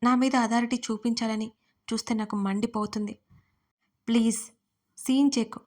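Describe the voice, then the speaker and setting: A brooding young husband, read by a woman, pressing hard with blunt, insistent questions. He speaks in a flat, level tone with little rise or fall. It sounds like a scene from a spoken audio drama. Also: a little high, moderate pace, close to an everyday voice. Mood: stern.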